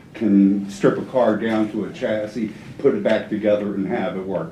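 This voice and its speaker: In a room with audible echo, a man with a fairly low pitch talks at a fairly slow pace. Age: old. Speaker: public commenter, tradesman. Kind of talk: public comment.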